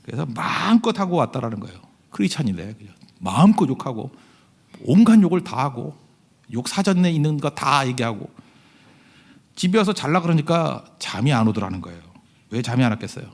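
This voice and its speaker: A male pastor giving a conversational sermon. He tells stories, keeps asking the congregation to agree, and swings from loud emphasis to hushed asides. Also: medium pitch, very animated, a little fast, vocal fry, breathy edge. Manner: conversational storytelling, often asking the congregation "right?".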